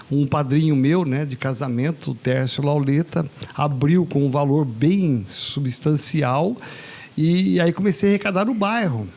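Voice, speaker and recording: A man's voice: fairly high pitch, creaky. An older man, a pastor from Brazil, telling a long story in casual chat and acting out the voices of the people in it. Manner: animated anecdote teller, acts out quoted voices.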